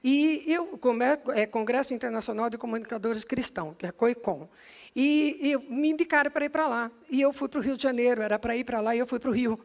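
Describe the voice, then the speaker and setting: A middle-aged woman from Brazil with a Brazilian Portuguese accent, telling a personal testimony as a prophetess, lively, laughing often and repeating words as she goes. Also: on the high side, fast, gravelly. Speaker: prophetess and intercession leader.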